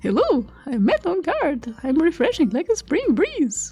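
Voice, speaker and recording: A put-on character voice, pitched high and delivered at a moderate pace, plays over faint music in the background. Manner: sing-song, pitch going up and down.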